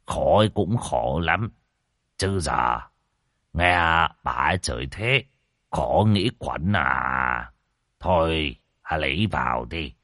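A man playing a solemn older ritual master who speaks slowly and gravely. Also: lively intonation, fairly bright tone, dry recording, studio quality, full character voice. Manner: slow, measured, low and grave.

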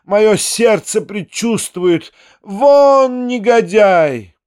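A man voicing a hysterical, imperious old noblewoman in an audiobook reading, shouting in long drawn-out cries. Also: high-pitched, animated, smooth, pitched above the performer's own voice, heavily acted. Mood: hysterical, furious. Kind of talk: audiobook character voice.

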